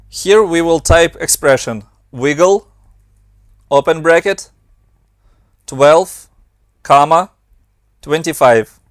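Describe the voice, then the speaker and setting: A young man from Ukraine with a Ukrainian accent, calmly talking through a software tutorial step by step. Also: on the high side, no room sound, clean studio sound. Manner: steady step-by-step instructions in non-native English. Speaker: motion design tutor. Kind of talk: screen-recorded software tutorial.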